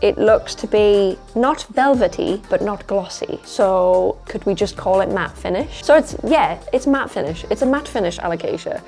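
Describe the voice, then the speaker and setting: A woman's voice: mid-range voice, animated, moderate pace, hardly any pauses, a little mellow, soft background music. A woman talking casually to her viewers about her plants, chatty and rambling, while she is losing her voice. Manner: chatty, rambling, self-correcting. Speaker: plant vlogger. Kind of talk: casual talk to camera. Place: at home indoors.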